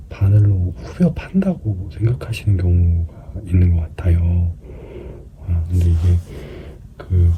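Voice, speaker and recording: Male, low-pitched clinician talking through a procedure, casual and explanatory, softly murmured in places, noticeable background noise. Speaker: skin clinic practitioner narrating an extraction procedure. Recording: clearly noisy room recording.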